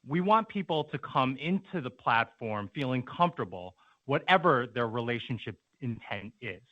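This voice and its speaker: A man speaking as a company executive, giving a fluent, polished and deliberate answer on an earnings call. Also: medium pitch, expressive, sharp tone, dry recording. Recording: dull, band-limited conference call audio.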